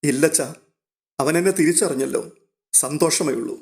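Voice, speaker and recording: A worried, tender young sister from an audio storybook, her pleas pitched high and strained, as a male narrator puts her on. She sounds urgent and caring, pressing gently for answers. The voice is kept steady and close. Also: moderate pace, lightly acted. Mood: tearful. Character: anxious, tender young woman, loving elder sister.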